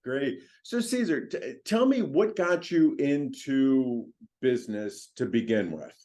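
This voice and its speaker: Lively male podcast host. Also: medium pitch, takes it slowly. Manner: friendly, short encouraging replies. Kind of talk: casual interview hosting.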